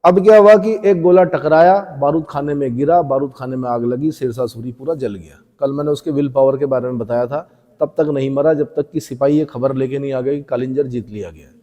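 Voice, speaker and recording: A man's voice: fairly high pitch, dark tone. A male teacher giving an exam-prep lecture. He asks questions and answers them himself, and he repeats the key terms. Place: coaching classroom. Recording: echoey room with long reverb.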